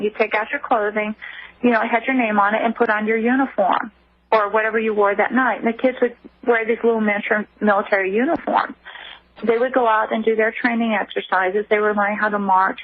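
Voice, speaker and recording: A woman's voice: medium pitch, dry recording, narrow, tinny audio. A woman giving recorded testimony in a plain, matter-of-fact way. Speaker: interviewee.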